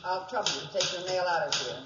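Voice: medium pitch, fast talker, highs cut off, natural voice. A performer playing a curt, affronted, formal public stenographer, stiff and dismissive, in 1940s radio drama style. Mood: cold anger. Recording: distant, echoey, very noisy old recording.

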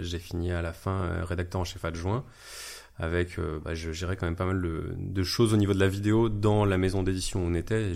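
Guy in his 30s w a deep low voice, chatty interview guest, lots of ums. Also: creaky. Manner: relaxed, hesitant with many fillers. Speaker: guest, wedding videographer. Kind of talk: casual interview chat.

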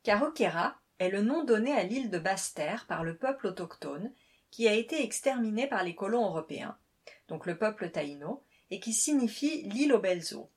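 A woman introduces the topic and asks her guest a question. Her delivery is lively and explanatory, with a pitch that moves widely, and her voice has a breathy, slightly husky edge. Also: normal speed. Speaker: interviewer.

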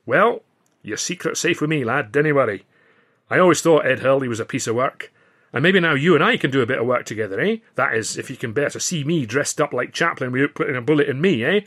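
A man's voice: medium pitch, animated, a bit bright, slightly rough. A man voicing a wiry, boastful Scottish comic with a Scottish accent in an audiobook. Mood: jovial. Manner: chummy, boastful, quick banter. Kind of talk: audiobook character voice.

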